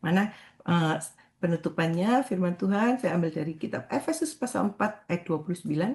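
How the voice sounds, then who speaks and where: Low-voiced woman preaching conversationally. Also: expressive, fairly quick. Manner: warm conversational preaching, often addresses listeners as "saudara". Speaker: evangelist leading morning prayer. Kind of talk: sermon.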